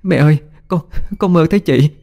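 A man's voice: on the high side, fairly quick, gravelly, dark tone, pitched above the performer's own voice. A man voicing a frightened young woman who cries and pleads for her sister. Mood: tearful.

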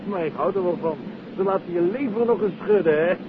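A man's voice: sits high, a little fast, natural voice. A man playing a jovial, chatty former army captain and small trader in a genial, colloquial 1950s Dutch radio drama style. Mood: breezy, confiding. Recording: noisy, tinny 1950s radio recording.

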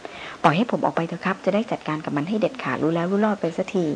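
A fierce, proud male hunter voiced by a woman reading the story, speaking with urgent force. The voice sits low and heavy, in a storybook reading. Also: racing, slight background noise, natural voice. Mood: defiant. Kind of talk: audiobook character reading.

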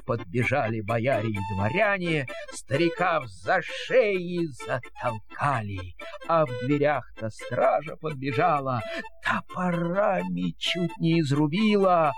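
Male narrator for verse fairy tale: unhurried, dramatic, slightly high-pitched, clear musical backing. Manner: theatrical, measured storytelling.

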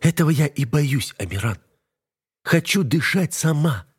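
A man voicing a defiant, frightened young wife in an audiobook, raising his voice high and pleading. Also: expressive, a little slow, husky, heavily acted. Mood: tearful. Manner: pleading, shouting, breaking into sobs. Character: young woman, defiant, scared and furious wife. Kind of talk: audiobook narration.

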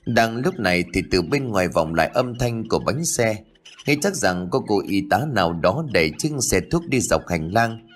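A man reading a ghost story as scripted narration, voicing the characters' lines in a lightly shifted voice. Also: on the low side. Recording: faint music behind.

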